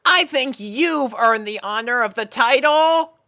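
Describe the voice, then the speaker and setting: A storyteller voicing a brash, caring, excitable cartoon pegasus pony mare with emphatic, drawn-out announcements. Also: medium pitch, no echo, studio quality, voice pushed up. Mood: proud, announcing.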